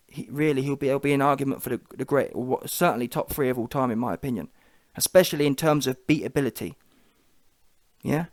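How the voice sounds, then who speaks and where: A man with a London accent and a fairly high-pitched voice delivers an informal boxing reaction. He is opinionated and emphatic, using slang and hammering points through repetition. The sound is close and dry. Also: dry recording. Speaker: boxing commentator giving fight reaction.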